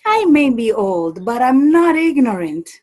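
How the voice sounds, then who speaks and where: A woman's voice: high-pitched, big pitch swings, a little slow, darkish tone, exaggerated voice. A woman acting an old, doting and scolding Latina mother and servant in a play reading, fretful and sprinkling her speech with Spanish endearments. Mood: stern, scolding.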